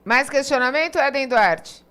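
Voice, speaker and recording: A woman's voice: sits high, normal speed. A Brazilian woman hosting a radio talk show, affirming her guests and moving the talk along. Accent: Brazilian Portuguese. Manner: warmly agreeing, brief affirmations. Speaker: radio host.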